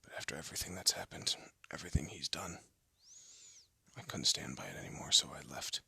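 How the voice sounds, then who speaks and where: A man voicing a hardened ex-gangster husband in an audio roleplay, talking in a low threatening whisper. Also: fairly quick, creaky, pushed and bright, slightly rough, exaggerated voice. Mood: somber. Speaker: voice actor.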